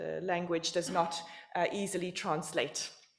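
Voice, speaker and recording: A woman speaks at a moderate pace in a fairly low pitch, her intonation monotone and flat, with noticeable background noise. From South Africa. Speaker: association president chairing a meeting. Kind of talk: formal meeting chairing. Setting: meeting room with hybrid Zoom participants. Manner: hesitant, many fillers.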